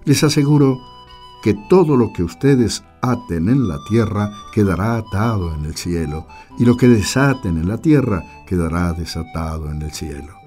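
A man reading scripture as a Gospel reader, solemn, measured and deliberate. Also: fairly low pitch, lively intonation, mellow, soft background music.

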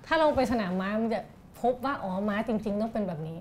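A woman's voice: mid-range voice, fast, a little mellow, a little hiss or hum. A woman co-hosting a podcast in casual chat, telling a story with crude slang and lots of energy. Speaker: podcast co-host.

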